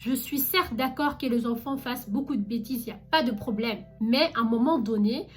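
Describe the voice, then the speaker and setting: A woman's voice: on the high side, brisk, faint music behind. Chatty young woman telling a vlog story. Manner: chatty and animated, addresses viewers directly with many fillers. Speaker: vlogger recounting her job as a shop saleswoman.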